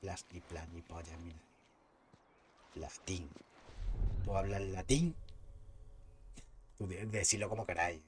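A man's voice: low voice, normal speed, pauses often, slight background noise. A man from Spain with a Spanish accent, chatting casually and swearing freely as he comments on his gameplay. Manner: chatty, swears freely, bursts out loudly at surprises. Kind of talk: casual let's-play commentary.

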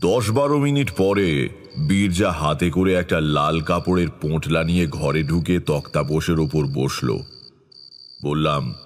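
A man playing a grave, caring tantric storyteller in a dramatized horror audio story, speaking in a measured, solemn way. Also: extremely low pitch, a little hiss or hum. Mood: grave, brooding. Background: background music.

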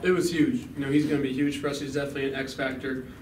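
A man's voice: mid-range voice, fairly even intonation, racing. A young male college basketball player answering postgame press questions steadily, with frequent "um, you know.". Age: young adult. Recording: echoey room, mic at a distance, background noise.

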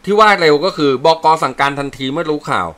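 A man voices a gruff male sergeant, a blunt team leader briefing his squad in plain, coarse words, explaining things in a blunt, matter-of-fact way. His voice is fairly high, pushed up, bright and forceful, and he talks fast over soft background music.

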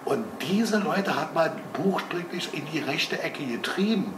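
A man's voice: fairly high pitch, lively intonation, measured pace. An older man from Berlin giving an opinionated, colloquial comment from the audience at a panel discussion. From Berlin, Germany. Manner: emphatic, colloquial. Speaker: audience member. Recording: echoey room, voice from far off, noisy.

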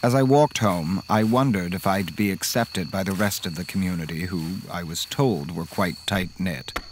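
A deep male voice, recorded dry, belongs to an actor portraying a courteous, fastidious accountant. Speaking as that character, he narrates a horror tale in a measured way.

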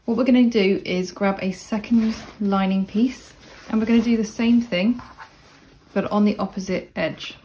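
A woman explaining sewing steps in a casual, chatty tutorial voice-over, with relaxed asides. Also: mid-range voice, normal speed, a little hiss or hum. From Cornwall, England. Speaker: sewing instructor. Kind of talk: casual step-by-step tutorial narration.

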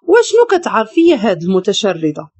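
A woman's voice: mid-range voice, huge pitch swings, fast, a little mellow, slightly rough. A woman with a Moroccan Arabic accent voicing a harsh, domineering rich man who scolds and gives orders. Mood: scolding. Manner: cold, scolding and commanding. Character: harsh, domineering wealthy man, master of a palace.

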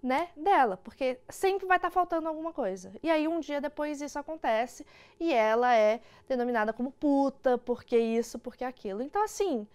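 A woman's voice: high-pitched, expressive, moderate pace, a little mellow. A young Brazilian woman hosting an online news show, giving casual, opinionated commentary to camera. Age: young adult. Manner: informal, opinionated. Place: indoor studio.

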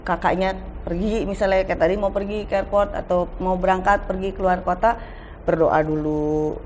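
A middle-aged woman chatting on a talk show, telling lively family stories and acting out dialogue. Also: medium pitch, moderate pace, slight background noise. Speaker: guest actress. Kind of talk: casual talk show chat.

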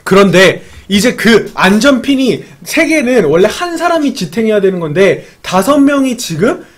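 A man's voice: sits high, big pitch swings, normal speed. A man teaching English in a casual live-streamed lesson, explaining a film scene, repeating lines and asking his audience questions. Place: home streaming setup.

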